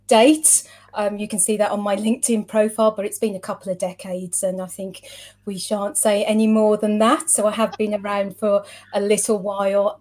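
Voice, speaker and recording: A middle-aged woman with a medium-pitched voice speaks as an interview guest. She explains things in a chatty, conversational way. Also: darkish tone. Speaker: interview guest, social media professional.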